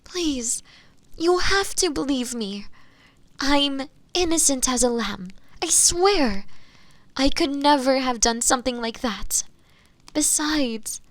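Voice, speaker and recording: A woman playing a meek, pleading witch prisoner in a fantasy audio drama, with halting, deferential, formal speech that often turns breathy. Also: high voice, fairly bright tone, dry recording, exaggerated voice. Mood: pleading innocence. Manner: halting, deferential, formal old-fashioned phrasing, often breathy and near-whispering. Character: meek, pleading imprisoned witch feigning frail innocence. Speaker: voice actor in an audio roleplay. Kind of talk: fantasy roleplay audio drama acting, addressing the listener.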